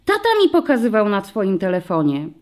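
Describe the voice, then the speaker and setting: A woman voicing a bold, chatty little first-grade girl in an audiobook story, speaking high and eager. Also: wildly swooping pitch, brisk, darkish tone.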